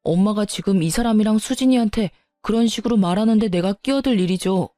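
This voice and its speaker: A woman voicing a young husband who loudly takes his wife's side against his mother. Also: medium pitch, fairly quick, dry recording, clean studio sound, close to an everyday voice. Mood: indignant. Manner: loud, indignant, pleading with his mother. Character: hot-tempered young husband defending his wife. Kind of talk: audio drama story reading.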